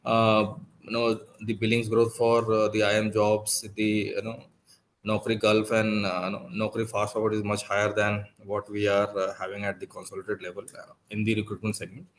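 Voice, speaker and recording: A man with an Indian accent asking questions as an analyst on a conference call, in halting, meandering phrasing. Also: on the low side, completely flat delivery. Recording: noisy conference call line.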